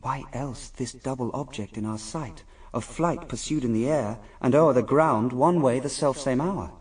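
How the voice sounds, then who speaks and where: A man's voice: mid-range voice, normal speed, husky, recorded from a distance, lightly acted. An actor playing the first man, an earnest and reverent husband, speaking solemn verse in a radio drama. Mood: troubled.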